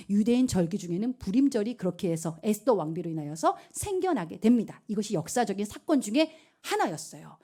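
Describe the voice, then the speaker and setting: A woman pastor preaching to a youth group, retelling a Bible story with lively storytelling. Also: mid-range voice. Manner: animated storytelling, acts out characters.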